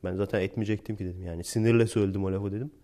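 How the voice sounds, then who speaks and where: A young man with a lowish, mellow voice tells stories in a casual, chatty way. He is wry and laughs often. The delivery is relaxed and conversational. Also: rapid-fire. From Turkey. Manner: chatty, wry, laughs while telling anecdotes. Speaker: teacher. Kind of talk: casual storytelling vlog.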